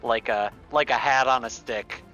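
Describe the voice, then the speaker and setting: A man's voice: mid-range voice, moderate pace, bright, forceful tone, faint music behind. A man playing a tabletop game, talking casually and hesitantly as he thinks his move through, on a dull lo-fi recording.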